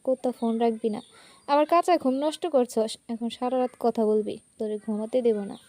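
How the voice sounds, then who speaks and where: A hot-tempered young college woman who snaps and scolds, as a woman reads her in her own high voice. Her lines have the feel of a storybook read aloud, and her high voice stays sharp-tongued. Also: fairly even intonation, normal speed, lightly acted. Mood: snappy. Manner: scolding, snappy.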